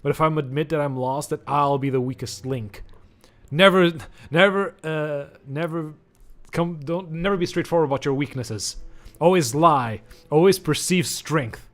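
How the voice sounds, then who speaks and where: A man's voice: a little high, normal speed. A young Portuguese man with a Portuguese accent, rambling and joking as he streams a game. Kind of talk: let's-play commentary.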